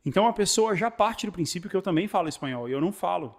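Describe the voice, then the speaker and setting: A Brazilian man with a Brazilian Portuguese accent talks through stories in relaxed conversation. He speaks very quickly, in a voice a bit higher than most men's. He restarts phrases often and stays animated throughout. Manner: animated storyteller, many restarts and fillers. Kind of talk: casual chat.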